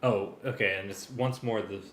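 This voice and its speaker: A man's voice: on the low side, fairly even intonation, moderate pace, a bit bright. A man in a casual working discussion, hesitant and thinking aloud as he directs the planning. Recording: roomy echo, clicks, faint background noise.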